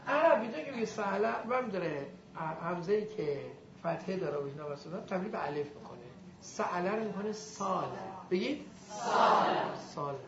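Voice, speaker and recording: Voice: medium pitch, expressive, highs cut off, a crowd in the background. A teacher giving a classroom lesson on Arabic grammar and pronunciation, demonstrating sounds aloud and quizzing the class.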